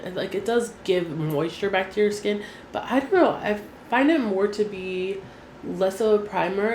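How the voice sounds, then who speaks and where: Nasal, low-voiced young woman vlogger. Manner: chatty, frequent "like" fillers. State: nasal from a cold. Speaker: beauty vlogger. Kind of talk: casual chat. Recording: echoey room, faint room hum.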